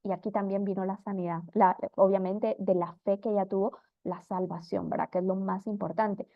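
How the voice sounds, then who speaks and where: A woman's voice: mid-range voice, fairly even intonation, a little fast, no echo. A woman giving an earnest Bible teaching talk, retelling stories and acting out the people in them. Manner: earnest storytelling, acts out quoted figures. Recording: dull lo-fi dry sound.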